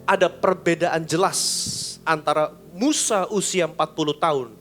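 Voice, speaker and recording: A man preaching a sermon as a pastor, talking in a lively, colloquial way with big swings in pitch and loudness. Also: normal speed, over music. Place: church service.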